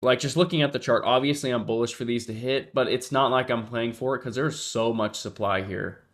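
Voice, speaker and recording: A livestream trader with a stuffy nose gives casual commentary in a mid-range, fairly bright voice, speaking a little fast with fairly even intonation. Congested and sniffling, he thinks aloud, responds to chat and often leaves thoughts hanging.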